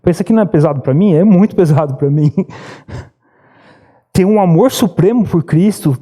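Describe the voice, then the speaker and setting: A man in his thirties with a Brazilian accent, preaching a sermon in church and telling stories earnestly. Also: dark tone. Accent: Brazilian Portuguese. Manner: earnest storytelling preacher, rises in pitch when urging. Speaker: pastor. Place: church sanctuary.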